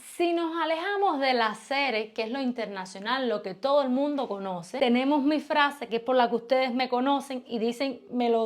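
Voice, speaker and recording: A woman with a Cuban accent speaks at a moderate pace in a high voice, her intonation lively. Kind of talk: casual talk to camera. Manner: relaxed, chatty.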